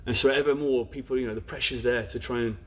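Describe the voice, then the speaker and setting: A young Black Country man, appearing as an interview guest on a podcast, gives a candid account of his life, rattling through it fast and saying "you know" a lot. His tone holds steady, and his pitch is at a normal middle height for a man.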